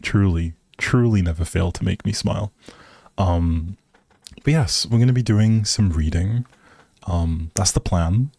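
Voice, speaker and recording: A man's voice: low-pitched, unhurried, warm tone, husky, dry recording. A man hosting a casual livestream, chatting to viewers in a hesitant, rambling, appreciative way. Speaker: live streamer, host.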